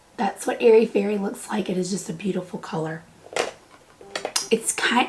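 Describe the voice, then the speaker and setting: Over noticeable background noise, a woman speaks at a moderate pace in a medium-pitched voice with ordinary pitch variation. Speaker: beauty vlogger. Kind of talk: casual chat. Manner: chatty.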